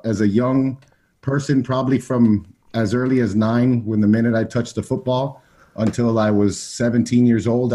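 Male American interview guest, mellow and relaxed, lower pitch, conversational personal storytelling. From Miami, Florida, USA.

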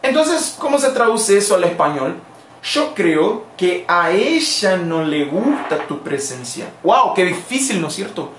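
A Brazilian man, a native Portuguese speaker, hosts a live language lesson in a playful, laughing way. His voice sits high and swings widely in pitch. The sound is roomy and echoey, with a faint hum underneath. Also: big pitch swings, unhurried, fairly bright tone. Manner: playful, laughs often, switches between languages. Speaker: language teacher hosting a live stream. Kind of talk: casual live-stream lesson.

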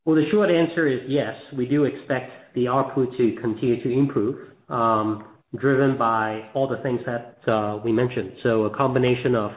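A man speaks for a company on an earnings call, answering in a measured, businesslike way. His pitch is average for a man, and he comes through a narrow telephone band. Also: fairly even intonation. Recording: narrowband phone line.

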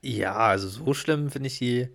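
A man's voice: mid-range voice, measured pace, vocal fry, a bit bright. Man casually chatting on a podcast. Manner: mostly short agreeing interjections, hesitant. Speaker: podcast co-host. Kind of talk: casual chat.

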